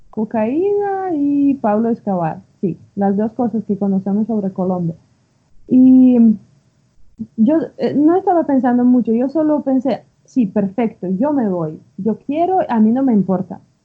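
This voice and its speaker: At a fairly slow pace, a woman with a Russian accent speaks at a fairly high pitch that swings very widely. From Russia (Tolyatti). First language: Russian (speaking Spanish). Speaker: journalist. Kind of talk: interview.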